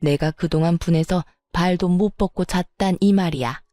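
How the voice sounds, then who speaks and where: A woman's voice: fairly low pitch, moderate pace, dark tone, no room sound, close to an everyday voice. A woman voicing a scheming, spiteful older mother-in-law who sneers and plays the victim in a storytelling audio drama. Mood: gloating. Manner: sneering, then falsely pitiful.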